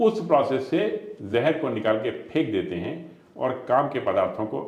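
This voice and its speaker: With lively intonation and a somewhat breathy quality, a man speaks in a space with audible room echo. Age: 60s. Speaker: naturopathy doctor. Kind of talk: interview.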